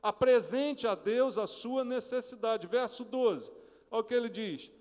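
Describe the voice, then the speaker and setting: Man, Brazilian pastor, sermon, high voice, long church reverb. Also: unhurried. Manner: preaching with rhetorical questions to the congregation; acts out prayers in a hushed, pleading voice. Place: church sanctuary.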